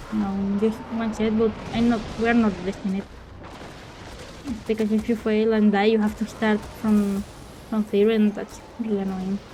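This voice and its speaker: A woman with a Spanish accent in monotone, flat intonation, long, frequent pauses and noticeable background noise. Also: fairly high pitch for a woman, moderate pace. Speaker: video game streamer. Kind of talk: live gameplay commentary.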